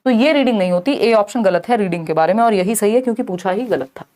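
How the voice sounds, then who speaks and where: A woman with an Indian accent teaching an exam-prep lesson, explaining in Hindi mixed with English and reading English questions slowly. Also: mid-range voice, expressive, darkish tone.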